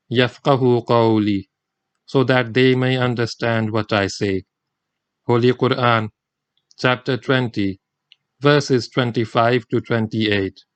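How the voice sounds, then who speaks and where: A man narrating an audiobook in a measured, even reading voice of middling pitch. He recites scripture lines quickly. The sound is dry and close, with no room around it. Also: dry recording. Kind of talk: scripted narration of a religious book.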